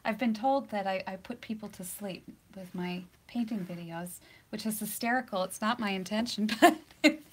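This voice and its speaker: A woman painting instructor giving a live painting demonstration, chatty and laughing often, sometimes dropping to a soft near-whisper as she works, in a studio surrounded by lights and cameras. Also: mid-range voice, moderate pace, breathy edge.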